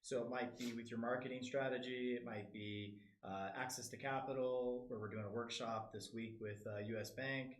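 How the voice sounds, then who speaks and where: A man's voice: mid-range voice, steady tone, normal speed, few pauses, echoey room. A man speaking as a guest in a casual panel chat, upbeat and explaining things plainly. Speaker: guest, small business center director.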